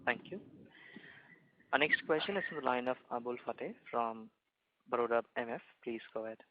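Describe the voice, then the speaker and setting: A man working as a conference call operator, making brisk, formulaic announcements between questions. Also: mid-range voice. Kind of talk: scripted call moderation. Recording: dull, dry call line.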